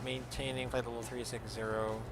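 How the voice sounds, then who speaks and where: A man's voice: medium pitch, normal speed, background noise. A man chatting casually on a flight simulator stream and making pilot radio calls. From Philippines. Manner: switches between Filipino and English, relaxed chatty, reads radio calls.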